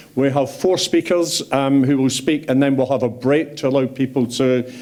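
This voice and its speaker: Noticeable background noise accompanies a man of medium pitch speaking at a moderate pace with fairly even intonation. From East London. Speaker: member of parliament. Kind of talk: welcome speech at event. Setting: parliament room with standing audience. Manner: hesitant, many fillers.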